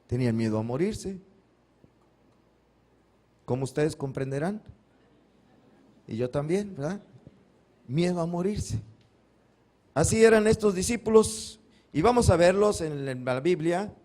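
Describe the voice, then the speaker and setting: A man's voice: on the high side, lively intonation, measured pace, long pauses, darkish tone. Male pastor, preaching a Sunday sermon with questions and dramatic retellings. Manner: asks the congregation questions and answers them himself; acts out biblical cries dramatically.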